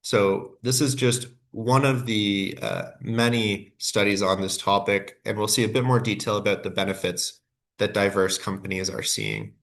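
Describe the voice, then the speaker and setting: A man with a cold presents a webinar workshop from prepared slides. His voice sits on the low side and sounds nasal, and he hesitates often, correcting himself mid-sentence as he goes. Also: fairly even intonation, creaky, fairly bright tone. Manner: halting, with frequent fillers and self-corrections.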